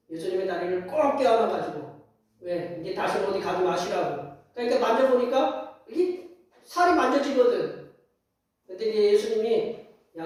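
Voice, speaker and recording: Folksy pastor in a very echoey church. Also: male voice, very high voice, darkish tone. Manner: folksy, acts out the story in voices, asks the congregation questions. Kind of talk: casual sermon storytelling. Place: church sanctuary. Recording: very echoey hall, distant mic.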